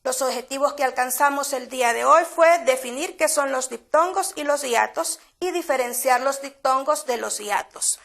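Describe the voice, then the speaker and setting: A woman teacher with a Honduran Spanish accent, giving a slow, deliberate grammar lesson for schoolchildren and repeating key words. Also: sits high, gravelly, a bit bright.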